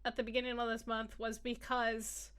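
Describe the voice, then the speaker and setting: Brief: young woman co-host, high and bright, sweary and playful banter. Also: moderate pace, clean tone. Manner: profane, playful, excitable. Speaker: podcast co-host. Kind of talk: casual chat.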